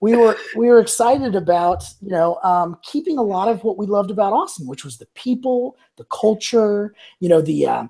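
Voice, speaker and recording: Male guest, gravelly and husky, relaxed, easy storytelling. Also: high voice, normal speed, few pauses. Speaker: guest, lead organizer. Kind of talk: casual panel chat.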